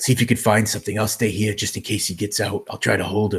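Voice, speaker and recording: In a put-on character voice, a man talks very fast with a raspy, fairly low sound. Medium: actual play.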